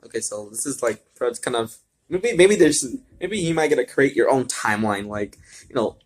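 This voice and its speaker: A man's voice: mid-range voice, animated, moderate pace. A man reading fan fiction aloud with casual asides, often stumbling over words and repeating himself.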